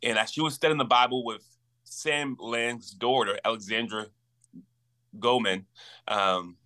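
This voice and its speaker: A man in his twenties from Liberia, a campus minister telling his story as a guest in a casual interview, earnest and animated. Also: mid-range voice, a little slow. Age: 20s.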